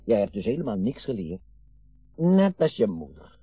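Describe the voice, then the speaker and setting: Through a slightly muffled recording comes a retired father in his sixties in a radio drama. His voice is very husky and fairly low. He rambles and halts, meddlesome and wistful, leaning hard on his words. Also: very animated, moderate pace, no echo. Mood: bitter, exasperated. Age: 60s. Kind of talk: naturalistic radio drama acting.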